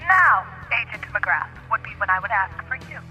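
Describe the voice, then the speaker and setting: A woman's voice: mid-range voice, big pitch swings, moderate pace, bright, forceful tone, soft background music, low-quality recording. An actress playing a smug, sadistic villain who taunts her captives with mock politeness in an audio drama. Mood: taunting, cruel.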